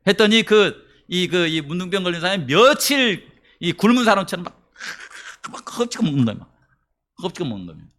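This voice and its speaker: Expressive and a little fast, the pastor's high voice carries a sermon story. Quoted lines get acted out, the congregation is asked questions, and his volume rises and falls between murmurs and emphatic peaks.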